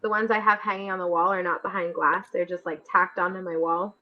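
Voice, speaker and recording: A woman's voice: on the low side, little pitch movement, a little fast, dull audio. A woman in her twenties hosting a casual live chat, giggling often and reading out viewer comments. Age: 20s. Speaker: host of a live stream.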